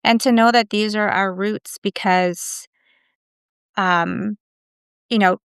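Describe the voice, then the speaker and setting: A woman's voice: medium pitch, steady tone, takes it slowly, fairly bright tone, clean tone, no room sound, studio quality. A woman, an immigration attorney, reflecting in casual conversation and telling personal stories with many "like" fillers. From United States.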